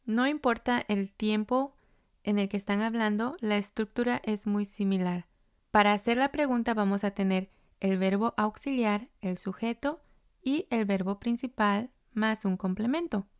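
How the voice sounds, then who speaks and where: A woman teaching English grammar, patient and deliberate, going over each example step by step. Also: mid-range voice, smooth, no room sound, studio quality. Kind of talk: instructional explanation.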